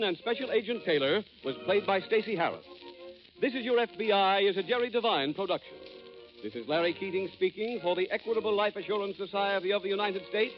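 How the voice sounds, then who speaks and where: High lively 1940s radio announcer guy, old broadcast disc sound, kinda muffled, music under him. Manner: emphatic, lively announcer delivery. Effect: old broadcast disc recording. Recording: dull old broadcast transcription.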